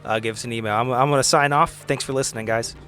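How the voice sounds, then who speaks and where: A man talking casually and haltingly as a player and co-host of a tabletop game podcast. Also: mid-range voice, steady tone, fairly bright tone.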